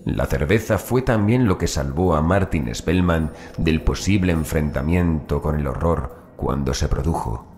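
A man reading a horror audiobook as narrator in a measured, phrase-by-phrase manner. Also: rumbling low, a little mellow.

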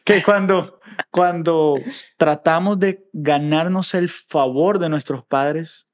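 A young man, talking earnestly and reflectively with halting restarts. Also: fairly high pitch. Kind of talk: casual chat.

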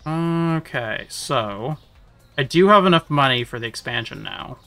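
A man streaming a game, talking casually with chat and breaking into loud playful rants. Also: mid-range voice, lively intonation, unhurried. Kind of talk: casual live-stream chat while gaming.

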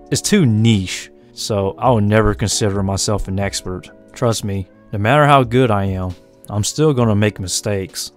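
With a deep voice and a faint Asian lilt in his American accent, a lilt he notes himself, a young tarantula breeder from the United States narrates his channel's hobby video. He sounds relaxed and rambling, and he's self-deprecating. The voice-over was captured apart from the footage, with soft background music faintly present.

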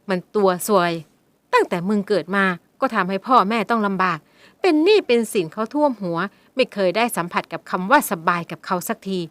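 Lady playing a harsh drunken mother, scornful and loud-mouthed. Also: medium pitch, dry recording, natural voice. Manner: scolding, coarse, contemptuous.

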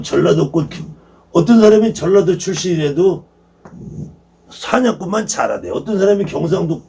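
Gravelly, animated man lecturing scornfully. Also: high-pitched, recorded from a distance. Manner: emphatic, repetitive, scornful rhetorical questions. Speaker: shaman lecturer.

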